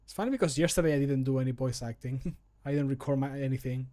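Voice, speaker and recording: A man in his thirties streams from a room at home, talking casually to himself and to viewers. His voice is mid-pitched and he mutters in a self-deprecating way into a close desk microphone. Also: fast talker, warm tone. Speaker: streamer and amateur voice actor. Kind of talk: casual chat while working.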